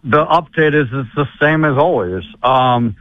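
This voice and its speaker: Loud-voiced man calling in, muffled. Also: mid-range voice, unhurried, no room sound. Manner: loud voice, storytelling. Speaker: NBA insider. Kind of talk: casual radio chat.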